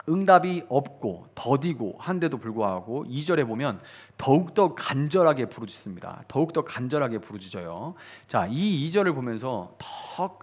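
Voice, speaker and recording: A man in the pulpit gives a midweek prayer-meeting sermon. His voice sits at an ordinary middle pitch. He talks in an easygoing, conversational way, acting out quoted prayers and rising to fervent emphasis. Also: darkish tone. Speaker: pastor.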